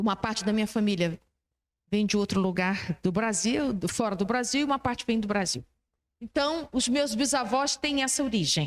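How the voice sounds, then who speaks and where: An ordinary speaking voice from a woman, fairly high-pitched, with lively intonation, a moderate pace and very even loudness. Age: 60s. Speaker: spiritist speaker. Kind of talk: talk with slides. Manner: casual.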